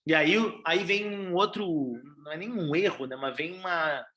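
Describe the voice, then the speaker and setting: Lively, bright-voiced man teaching political marketing. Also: high-pitched, normal speed. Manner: chatty, lively, full of restarts and rhetorical questions. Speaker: political marketing specialist giving a training talk. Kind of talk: informal lecture to newly elected officials.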